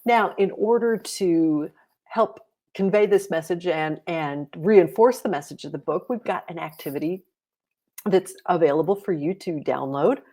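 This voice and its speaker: A woman's voice: on the low side, unhurried, mellow. A woman hosting a children's storytime, reading aloud and explaining things to parents. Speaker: storytime host and reader.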